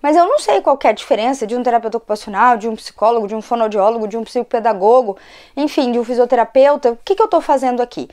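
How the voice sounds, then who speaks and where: A hoarse woman, fighting a cold, giving a conversational educational talk to her channel as an occupational therapist. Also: on the high side, expressive, rapid-fire, a little mellow. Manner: conversational, frequent tag questions.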